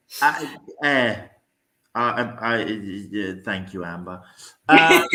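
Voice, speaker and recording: A man with a bright, sharp tone and medium pitch speaks very slowly, his intonation lively and his loudness swinging widely, with audible room echo around him. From Netherlands. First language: Dutch. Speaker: stream co-host. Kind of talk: casual live stream chat.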